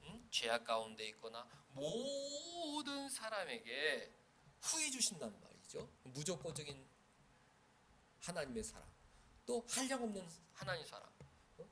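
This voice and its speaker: A male pastor delivers a sermon in a bright, forceful voice that sits a little high for a man. He drives his points home by repeating key phrases and briefly acting out prayers and exchanges. Faint background noise sits under his voice. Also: huge pitch swings, a little slow. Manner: emphatic, repeats key phrases, acts out short prayers and dialogues.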